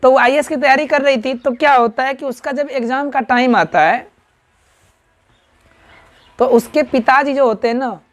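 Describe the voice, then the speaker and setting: A man's voice: very high-pitched, normal speed, long pauses. A man with a Bihari Hindi accent teaching a grammar lesson to a class, firing questions at students and checking with them constantly. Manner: quizzes students in call-and-response, keeps asking "right?".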